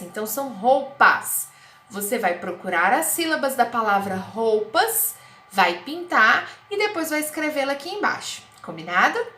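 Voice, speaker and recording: A woman with a Brazilian Portuguese accent teaching first graders in a recorded online class, talking slowly in a sing-song, exaggerated way. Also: high voice, bright, forceful tone. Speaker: primary school teacher. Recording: echoey room, faint noise.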